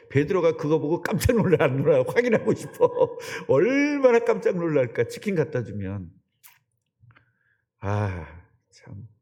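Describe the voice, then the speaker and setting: Animated middle-aged male pastor preaching. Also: mid-range voice. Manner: animated, conversational, questioning the congregation. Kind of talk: sermon. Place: church sanctuary. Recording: long church hall reverb.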